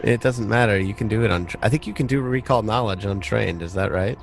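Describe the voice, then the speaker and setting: A man's voice: on the low side, quick pace, vocal fry. A man narrating a tabletop roleplaying game as game master in a casual, conversational way. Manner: informal, conversational.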